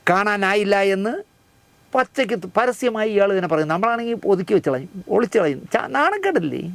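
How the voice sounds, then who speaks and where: A man's voice: high voice, creaky, no echo. A man delivering mocking, scornful commentary on current events, speaking straight to the audience. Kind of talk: satirical commentary.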